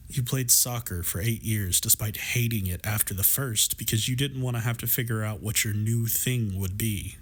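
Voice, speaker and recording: In an intimate audio drama, a man with a natural, mid-range voice plays a warm, teasing gay best friend. He sounds playful and affectionate, supportive and reassuring.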